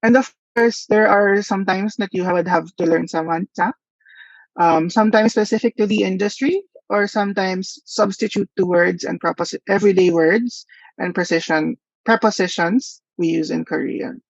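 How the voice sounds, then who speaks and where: A man giving a thoughtful, hesitant conference presentation with frequent pauses. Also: high voice, creaky, no echo. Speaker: workshop presenter. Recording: dull lo-fi dry audio.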